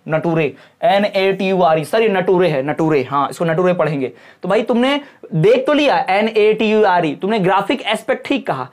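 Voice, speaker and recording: Woman teacher, exam-prep lecture, repeats points and keeps asking "clear?", mid-pitched. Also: darkish tone. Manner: repeats points, quizzes listeners with rhetorical questions; mixes read-out English terms into explanations.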